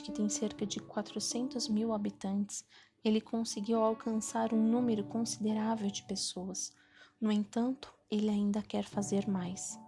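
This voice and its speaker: Brazilian woman reading a devotional audiobook over music. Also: medium pitch. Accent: Brazilian Portuguese. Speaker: audiobook narrator.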